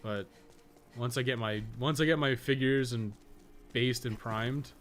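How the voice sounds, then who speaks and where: A man's voice: mid-range voice, measured pace, a bit bright. A man giving casual, rambling live-stream game commentary, swearing and joking with his chat as he plays.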